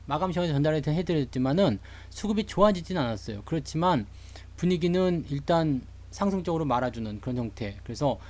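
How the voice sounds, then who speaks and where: Speaking fast in a slightly high, expressive voice with a darkish tone, a Seoul stock market streamer lectures live on stock charts. He is chatty and jokey with his online audience and greets live chat viewers.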